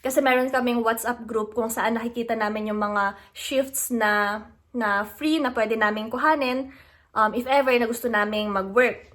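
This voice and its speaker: A young adult woman from the Philippines, vlogging casually and retelling an upsetting phone call with animated, indignant asides. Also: on the high side, normal speed. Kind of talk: casual storytelling vlog.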